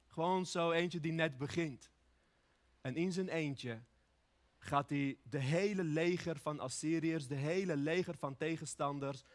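A man from Armenia preaching an earnest, personal sermon, slowing down when he speaks prayers. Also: a little high.

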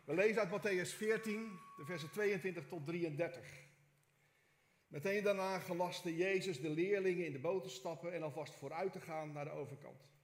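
A man preaching from the pulpit, his voice a touch higher than most. He reads the scripture with lively expression, then slows into soft, halting prayer. The sound carries a long church reverb. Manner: reads scripture expressively, prays softly with hesitations. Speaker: pastor. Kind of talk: sermon with scripture reading and prayer. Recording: echoey church hall.

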